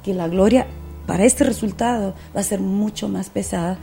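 A woman's voice: medium pitch, moderate pace, creaky, dark tone, soft background music. A woman, a singer-songwriter and speaker, sharing her faith testimony as a podcast guest in a fervent, preacher-like way with frequent fillers.

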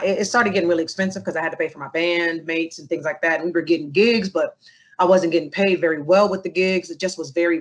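A young woman with a slightly low voice talks through her story as an interview guest. She is animated and expressive, and she often turns to the listener with quick asides. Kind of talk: casual interview conversation.

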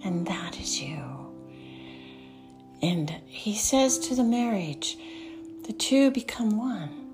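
A woman guiding a Christian meditation in a soft, often whispered voice, with slow, soothing prompts. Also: medium pitch, big pitch swings. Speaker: meditation guide. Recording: music playing underneath.

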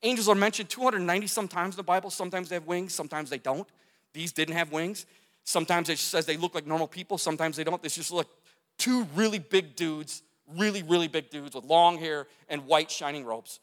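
Male testimony speaker, high pitch, repeats phrases for emphasis, long hall reverb. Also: brisk, fairly bright tone. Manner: vivid storytelling with gestures, repeats phrases for emphasis. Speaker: speaker telling his near-death story. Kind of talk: testimony talk to an audience.

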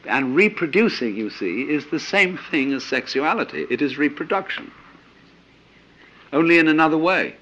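Older male lecturer, philosophical and anecdotal, very animated intonation, thinking aloud with "you see.". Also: fairly high pitch, normal speed, lo-fi sound, a little hiss or hum. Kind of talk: reflective spoken lecture.

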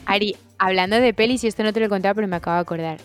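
A chatty woman, co-hosting a podcast in relaxed conversation. She tells long, rambling stories, with quick bursts between pauses. Faint music plays behind her. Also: mid-range voice. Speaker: podcast co-host. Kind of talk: casual chat.

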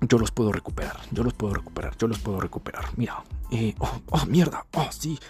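A man voicing a boastful young male trader, showing off in a frantic, high, loud voice. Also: lively intonation, brisk, soft background music, close to an everyday voice. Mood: bragging.

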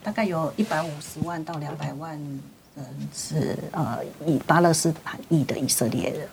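A woman's voice: deep voice, moderate pace, creaky, a little mellow, slight background noise. A woman interpreting into Mandarin on the radio, hesitant, with many fillers and restarts as she goes. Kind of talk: consecutive interpretation. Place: radio studio.

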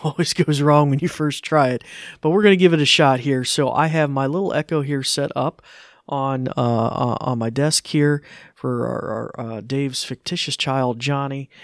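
A man talks through a live product demo at a middling pitch. He is informal and a little hesitant, easily amused, and recorded dry and close. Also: dry recording. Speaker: tech demonstrator.

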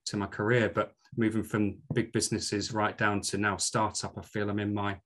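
Middle-aged Scottish man, low voice, earnest podcast guest, full of fillers. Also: little pitch movement, normal speed, fairly bright tone. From Scotland. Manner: earnest, with frequent fillers and restarts. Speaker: guest, commercial director. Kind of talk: podcast interview.

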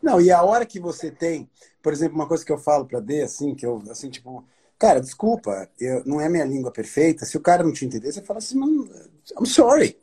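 Fast, husky, excitable guest. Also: male voice, fairly high pitch. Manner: slangy, joking, excitable. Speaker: podcast guest. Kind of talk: casual live chat.

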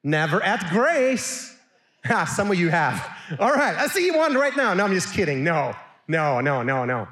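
A man's voice: sits high, measured pace. A middle-aged man from Sweden, a pastor preaching a sermon and calling on the congregation to answer back. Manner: animated, calls for audience responses.

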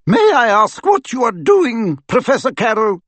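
A man voicing a stern older woman professor who speaks in a crisp, clipped, icily formal way. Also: extremely high pitch, big pitch swings, a little slow, fairly bright tone, dry recording, voice pushed up, exaggerated voice. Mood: cold.

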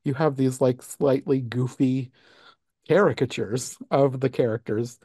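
Male podcast host, mellow tone, dry close sound, chatty recap with frequent laughs. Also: mid-range voice, measured pace, breathy edge, no room sound. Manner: laughs often while recapping. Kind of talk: casual film review chat.

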